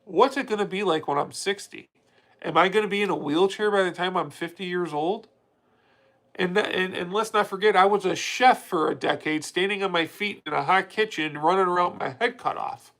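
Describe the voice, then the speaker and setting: A man's voice: high voice, fairly quick, fairly bright tone, low-quality recording. A man in his late thirties hosting a casual livestream, talking candidly and rambling with frequent restarts as he answers viewer comments. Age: 30s. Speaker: livestream host.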